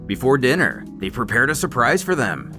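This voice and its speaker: A man's voice: mid-range voice, very animated, moderate pace, over music. A man delivering scripted story recap narration in a dramatic storytelling manner, with wry asides.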